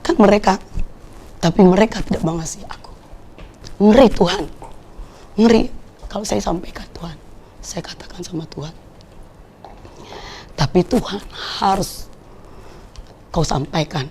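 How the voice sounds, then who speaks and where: A woman giving a testimony in a church service, animated, swinging from soft asides to loud exclamations and often checking with the congregation. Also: on the low side, unhurried, pauses often, slight background noise. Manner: animated, keeps asking the congregation "ya kan?". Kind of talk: testimony sermon.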